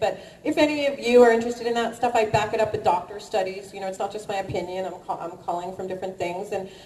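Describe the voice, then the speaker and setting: A woman talking at a very fast pace, ordinary pitch variation, audible room echo. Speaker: actress. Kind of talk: convention panel Q&A. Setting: stage with audience. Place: hall.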